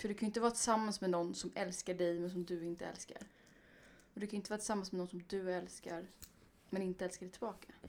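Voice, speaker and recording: At a very fast pace, a woman with a medium pitch speaks in a monotone, flat intonation. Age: 30s. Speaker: podcast co-host. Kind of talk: casual chat.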